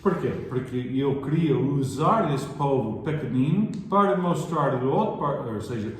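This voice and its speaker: A man's voice: mid-range voice, expressive, normal speed. A man from outside Portugal leading a Bible study discussion, asking probing questions and searching for words as he goes. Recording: very echoey room.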